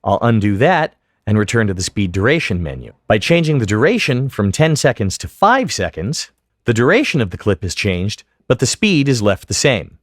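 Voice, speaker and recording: A man giving scripted, methodical step-by-step instruction as a software tutorial narrator. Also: lowish voice, very animated, moderate pace. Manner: clear, methodical, step-by-step explanation. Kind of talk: scripted instructional narration over screen demo.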